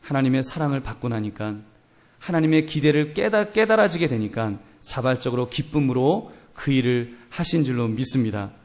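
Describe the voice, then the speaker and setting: A man preaching a sermon at a middle pitch for a man. He talks with emphasis, putting rhetorical questions to the congregation and telling stories in between. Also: expressive, moderate pace, a little mellow. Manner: storytelling with voiced quotes. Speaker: pastor.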